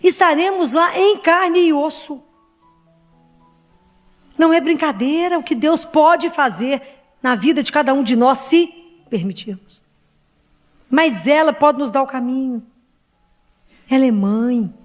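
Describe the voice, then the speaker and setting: A woman's voice: high-pitched, expressive, unhurried, long pauses, soft background music. A middle-aged woman preaching a heartfelt sermon to her congregation. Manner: earnest, heartfelt, speaks directly to the congregation.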